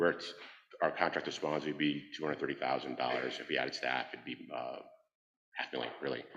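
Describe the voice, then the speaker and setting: This man has a very deep, low pitch and speaks with monotone, flat intonation. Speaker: fire chief. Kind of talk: public meeting discussion. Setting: public meeting room with microphones. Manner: loud.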